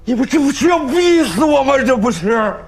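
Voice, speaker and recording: A man's voice: very high voice, very animated, unhurried, faint music behind, exaggerated voice. A distraught old father. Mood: anguished. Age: older. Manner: anguished, scolding.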